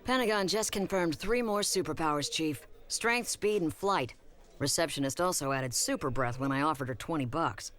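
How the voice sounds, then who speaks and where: A sardonic American woman reporter in a motion comic. Her voice is low, her delivery dry and wry. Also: normal speed, a bit bright.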